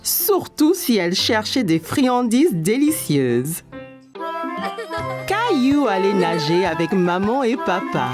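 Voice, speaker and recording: Narratrice douce et animée, musique derrière. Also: female voice, mid-range voice, big pitch swings, takes it slowly, over music. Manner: gentle, clear storytelling. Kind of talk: scripted storybook narration for small children.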